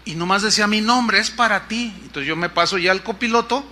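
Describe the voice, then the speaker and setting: A man's voice: sits high, a little fast, sharp tone, slight background noise. A man preaching as a pastor, telling a story in a sermon and acting out the voices of the people in it. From Mexico.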